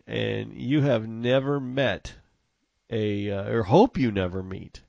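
A man's voice: mid-range voice, vocal fry, a little mellow, dry recording, dull audio. A man from the southern United States with a Southern American accent, chatting casually about politics in a folksy, blunt way. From southern United States, Mississippi and Texas.

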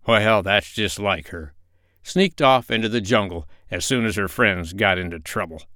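A man's voice: lowish voice, pushed and bright, no room sound, clean studio sound. A man voicing a sour, grumbling crocodile in a children's storybook, drawing out his words. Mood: grumpy. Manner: slow, grumbling.

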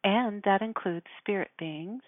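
A woman speaking in a measured, deliberate way, giving spiritual instruction and guided meditation. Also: medium pitch, no room sound. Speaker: spiritual teacher guiding listeners. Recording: narrow phone-like sound.

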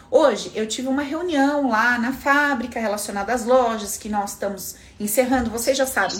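A woman with a fairly high voice hosts a live stream, with slight background noise. She tells stories in a casual, motivational way, animatedly acting out the voices she quotes. Her tone is informal and chatty, and she calls listeners "minha filha" and "menina".

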